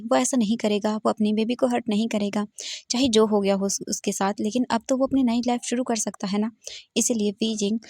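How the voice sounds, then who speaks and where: A woman's voice: mid-range voice, a little mellow, no echo, clean studio sound. A woman casually retelling a fan fiction story in plain, explanatory storytelling.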